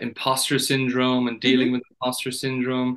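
A man speaks in a Dublin accent. His pace is moderate against a quiet background. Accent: Irish (Dublin). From Ireland, Dublin. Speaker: former pro tennis player, business founder. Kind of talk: interview conversation. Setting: remote call from Ireland. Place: home room. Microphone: video call.

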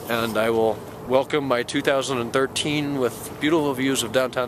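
Noticeable background noise sits behind a man whose voice has ordinary pitch variation and a dry sound with no echo. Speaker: vlogger. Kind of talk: casual vlog chat. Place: waterside. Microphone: phone near.

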